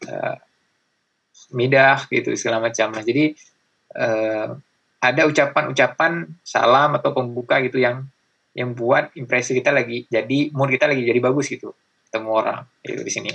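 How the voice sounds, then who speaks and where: A young man talking in a relaxed conversational way, with lots of fillers, acting out the greetings he describes. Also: medium pitch, a little fast, creaky, husky, highs cut off. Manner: chatty, many fillers, acts out greetings. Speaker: guest. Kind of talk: casual chat.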